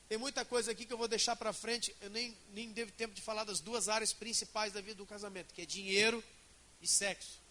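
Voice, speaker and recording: A man's voice: high voice, bright, forceful tone. A man preaching a sermon as pastor in a church, emphatic and asking the congregation questions.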